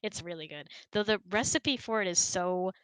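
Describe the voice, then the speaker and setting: A woman's voice: medium pitch, moderate pace, fairly bright tone, clear, resonant tone, no room sound. A woman host chatting casually and candidly in an informal, emphatic way. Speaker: host of a relationship Q&A hangout. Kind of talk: casual chat.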